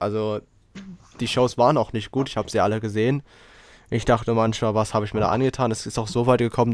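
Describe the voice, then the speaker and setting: A man hosting a casual podcast while he has a cold, talking in a rambling, relaxed way with lots of fillers. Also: mid-range voice, no echo, studio quality. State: has a cold, hoarse throat. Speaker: podcast host.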